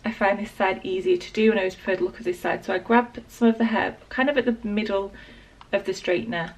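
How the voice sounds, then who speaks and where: Northern English woman, late 20s, croaky with a sore throat, gravelly, rambling vlog chat. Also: medium pitch, fast, far from the mic. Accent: Northern English, Lancashire. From England. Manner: relaxed, rambling, lots of ums and likes. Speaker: beauty vlogger. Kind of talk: casual hair tutorial. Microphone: small external mic.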